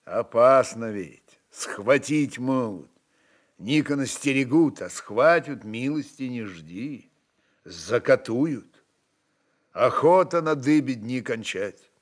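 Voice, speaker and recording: Man playing a slow-spoken, brooding Cossack chieftain. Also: medium pitch. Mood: grim, dissuading. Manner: slow, weighty, rustic dialect speech. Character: brooding, cautious Cossack chieftain, commanding and burdened. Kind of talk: dramatized literary reading.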